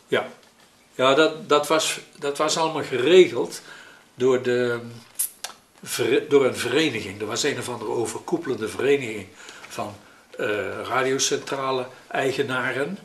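An elderly man, recalling memories in a hesitant, pausing, conversational way. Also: mid-range voice. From Netherlands. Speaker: interviewee recalling his childhood. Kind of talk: spoken reminiscence in an interview. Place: living room at home, indoors. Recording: roomy echo with faint noise.

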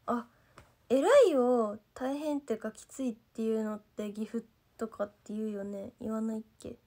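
Reading viewer comments on a casual livestream, a young woman from Gifu, Japan, an idol trainee, speaks mostly standard Japanese touched by a light Gifu accent. Her slightly high voice is dark-toned, with little pitch movement and normal speed. She's chatty and rambling, loses her thread, and uses lots of "nanka."

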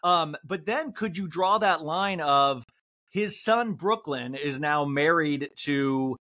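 A man in his forties hosts a casual pop culture chat from a room at home, speaking over a video call. His voice sits a little high for a man, and he talks in an animated, joking way. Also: slow. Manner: animated, jokes, mimics celebrities in a high voice. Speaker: podcast host. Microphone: video call with earbuds.

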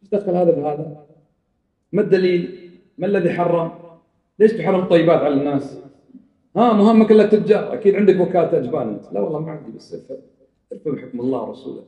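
Guy preaching, scolding and mocking, dark voice, fast, echoey room and a bit far off. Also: fairly high pitch. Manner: scolding, rhetorical, mocks opponents' arguments. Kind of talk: religious lecture.

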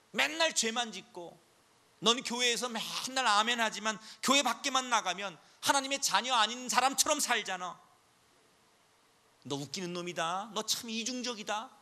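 A man's voice: high voice, pushed and bright, exaggerated voice. A man preaching, voicing the devil as a whiny, mocking male accuser.

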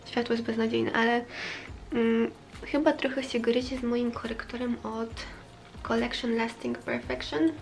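A woman's voice: on the high side, level tone, unhurried, gravelly, soft background music. A woman in her twenties with a congested, pinched-sounding nose from a cold, chatting casually to camera in speech. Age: 20s. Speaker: vlogger. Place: small bedroom, indoors. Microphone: camera a short distance away on a bed.

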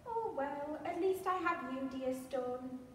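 A woman voicing a lonely, eager little bear cub with a high, pleading, gentle voice. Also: slow, slight background noise. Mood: wistful. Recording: echoey hall, from far off.

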